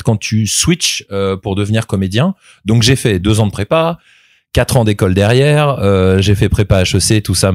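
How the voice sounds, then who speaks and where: A man's voice: low-pitched, darkish tone, no room sound, studio quality. A man in his thirties, a voice actor being interviewed, talking casually with many fillers and restarts. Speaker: voice actor guest.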